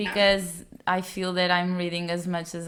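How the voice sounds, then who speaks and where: A woman speaks with a Portuguese accent. Audible room echo is present. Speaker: podcast host. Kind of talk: casual chat.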